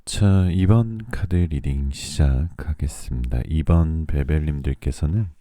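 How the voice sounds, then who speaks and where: A man reading tarot for listeners in a soothing, polite, measured radio-like style, his voice still recovering from a throat cold. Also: a bass voice, dark tone, no room sound, studio quality. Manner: soothing, polite, measured delivery meant to lull listeners to sleep. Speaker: tarot reader and channel host.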